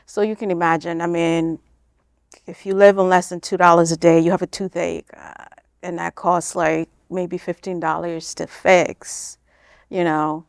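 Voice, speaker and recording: A woman's voice: on the low side, flat delivery, a little slow, creaky, clean tone, no echo, clean studio sound. A woman from Kenya answering interview questions in an informal, explanatory, conversational way. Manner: informal, explanatory, frequent "like" and "you know". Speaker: interview guest, nonprofit founder.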